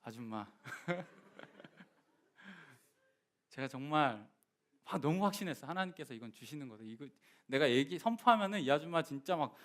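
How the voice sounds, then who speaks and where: A young man in his twenties preaching a sermon, telling a personal story in an animated, conversational way and addressing the congregation directly. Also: on the high side, normal speed, long pauses. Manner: animated storytelling, voice rising and dropping for emphasis.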